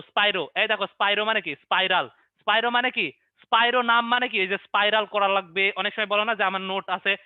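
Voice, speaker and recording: High-voiced man drilling biology by repetition. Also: no echo. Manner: repetitive question-and-answer drilling with memory tricks. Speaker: biology teacher. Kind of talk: online class lecture. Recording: dry, narrow phone-like online stream.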